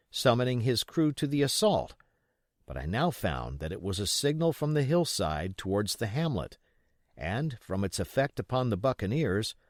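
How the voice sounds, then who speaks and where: A man's voice: medium pitch, no room sound, clean studio sound. A man reading an adventure novel as an audiobook narrator, in scripted storytelling style.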